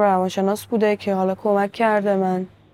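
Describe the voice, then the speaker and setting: A woman's dark, mellow voice at a medium pitch and moderate pace, on a very clean recording with a silent background. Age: young. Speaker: young interviewee. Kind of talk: interview.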